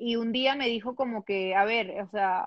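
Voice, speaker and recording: With a Venezuelan accent, a woman speaks at a fairly high pitch and ordinary pitch variation. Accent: Venezuelan accent, noticeable in Mexico. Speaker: influencer. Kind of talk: casual chat. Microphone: connection briefly froze.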